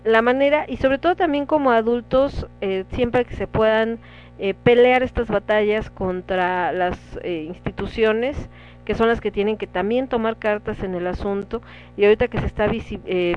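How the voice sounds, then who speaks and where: A woman with a Mexican Spanish accent hosting a casual talk show, chatting with listeners and reading out their comments. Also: mid-range voice. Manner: conversational, reads listener comments aloud. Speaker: radio show host. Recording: dull lo-fi sound with faint music.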